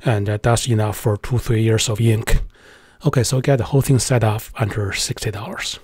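A man's voice: on the low side, steady tone, normal speed, a little mellow, breathy edge, no room sound, studio quality. A man hosting a casual voice-over tutorial, talking in a chatty, hesitant way with many filler sounds. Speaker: tech channel host.

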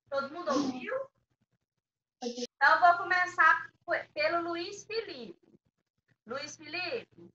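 A woman teaching a class of small children over a video call, patient and step by step. Her voice sits high and sounds very bright and sharp. The sound is dull and echoey, as if she sits a bit back from the microphone. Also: far from the mic, a little hiss or hum. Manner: patient, slow, explaining step by step. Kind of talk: online class for young children.

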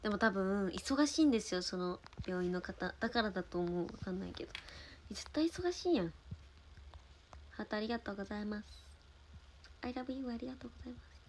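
Young osaka woman rambling on her stream, kansai accent, keeps thanking viewers, drops soft under her breath now and then, close mic. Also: medium pitch, expressive, brisk, pauses often, a little hiss or hum. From Osaka, Japan. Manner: chatty, thanks viewers between stories, soft murmured asides. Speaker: idol livestream host. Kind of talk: casual livestream chat.

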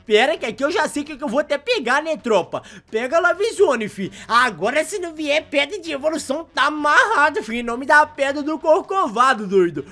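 A young man from Brazil with a Brazilian Portuguese accent, giving excited, exasperated gameplay commentary full of slang, his voice going hoarse. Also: very high-pitched, brisk, few pauses. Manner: exasperated, exclaims often, heavy slang. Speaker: gaming YouTuber.

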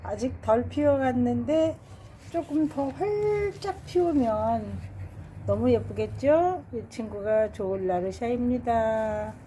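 Walking through her home balcony garden in a casual tour, a woman slowly names each geranium, fond and expressive, repeating the flower names and sighing at how pretty they are. Her voice is a little high yet mellow, and she speaks very unhurriedly. A faint hiss runs beneath the phone recording.

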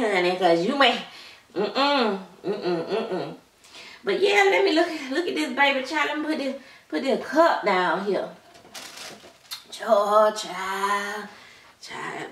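A woman's voice: on the high side, sharp tone, exaggerated voice. A woman playing a gossipy, sassy middle-aged babysitter auntie, rambling chattily and calling everyone child and honey. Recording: roomy room, mic at a distance.

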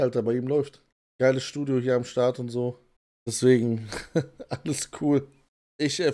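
A man casually commenting on clips as a streamer, relaxed and slangy, often laughing. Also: medium pitch. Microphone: desktop condenser mic.

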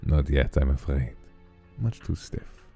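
A man's voice: very deep voice, lively intonation, creaky, warm tone, soft background music, heavily acted. A man doing a creepy smiling spirit with a German accent. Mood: gleefully macabre. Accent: put-on German. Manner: slow, theatrical, relishing macabre lines. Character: creepy cheerful spirit obsessed with smiles. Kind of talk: reading game dialogue aloud.

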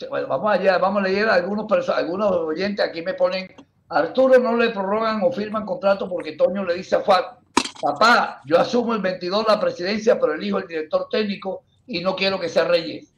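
A man's voice: high voice, a little fast, muffled recording, slight background noise. A man hosting a talk show over a video call, jovial, calling on guests and cutting in. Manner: jovial, interrupting, calls on guests. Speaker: host. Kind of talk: casual talk show banter.

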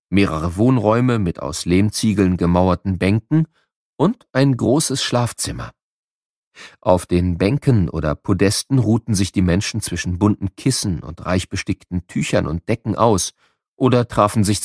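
A man's voice: lowish voice, creaky, a little mellow, dry recording, studio quality. A man narrating a scripted educational audio play for children in an explanatory storytelling manner.

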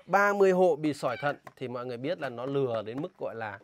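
A man's voice: medium pitch, animated, quick pace, slight background noise. Indignant Vietnamese vlogger man. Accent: northern Vietnamese. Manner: indignant, emphatic, asks pointed questions. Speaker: vlogger warning villagers about a scam. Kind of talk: casual outdoor vlog talk, interviewing a local.

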